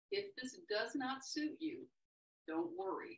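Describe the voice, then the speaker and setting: With an upbeat tone, a high-pitched woman speaks at a fairly slow pace, her pitch swinging very widely amid audible room echo. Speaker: yoga instructor. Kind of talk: live online yoga class, cueing breath and poses in real time. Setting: video call. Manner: encouraging, upbeat cueing with light laughter; rhythmic, imperative step-by-step instructions. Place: home room. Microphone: camera far.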